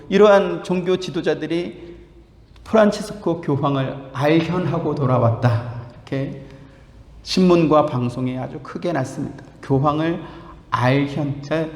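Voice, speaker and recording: Fervent pastor preaching in an echoey church. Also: male voice. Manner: rising to a loud, fervent pitch on key claims. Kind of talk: sermon. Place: church sanctuary. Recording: echoey church hall with long reverb.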